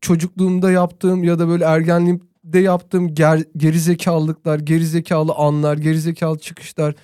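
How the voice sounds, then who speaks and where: A man's voice: a little high, completely flat delivery, normal speed, dark tone, clear, resonant tone, dry recording, studio quality. A man co-hosting a casual chat, rambling and reflective as he recalls things. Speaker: podcast co-host.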